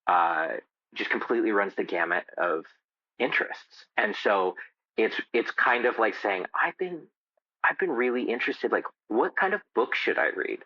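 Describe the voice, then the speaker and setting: A man talking as a podcast guest in a casual, explanatory way, halting as he thinks aloud. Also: lowish voice, expressive, no echo, dull audio. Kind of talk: casual interview chat.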